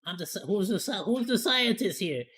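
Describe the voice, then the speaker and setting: A woman's voice: medium pitch, animated, normal speed, a bit bright. A woman streamer giving casual live reaction commentary, talking in an informal, joking, slangy way with some mild swearing.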